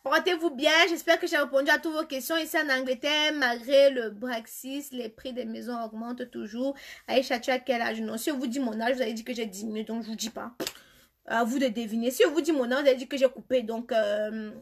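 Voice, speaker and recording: Cameroonian woman streamer, somewhat high voice, chatty and teasing. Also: steady tone, brisk. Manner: chatty, reads comments aloud, teasing and emphatic. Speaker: live streamer answering viewer comments. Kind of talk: casual live chat.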